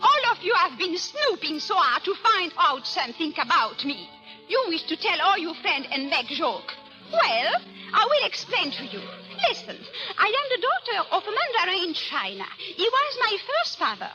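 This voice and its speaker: High-pitched, volatile young woman in AM radio drama. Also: big pitch swings, normal speed, pushed and bright, exaggerated voice. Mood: furious. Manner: theatrical, highly emotional. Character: volatile, distressed foreign young society ward, woman. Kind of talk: old-time radio drama acting. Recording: dull AM radio sound, music.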